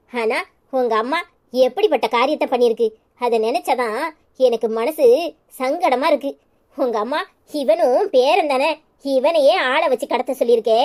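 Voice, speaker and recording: A woman's voice: high voice, darkish tone, close to an everyday voice. A woman voicing a fierce, tearful village mother in a cartoon, with a Tirunelveli Tamil accent. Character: emotional, fiery village mother. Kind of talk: cartoon voice acting.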